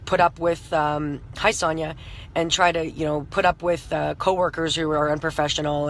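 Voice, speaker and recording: Woman, 30s, hoarse scratchy voice, chatty motivational live stream, lots of fillers, faint background noise. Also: low-pitched. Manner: chatty, full of "you know" fillers, greets viewers by name. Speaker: entrepreneur hosting a live stream.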